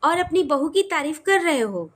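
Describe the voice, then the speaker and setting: A woman's voice: high voice, big pitch swings, moderate pace, fairly bright tone. A woman reading the part of a playful, boyish young husband who sulks a little. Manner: sulky, boyish.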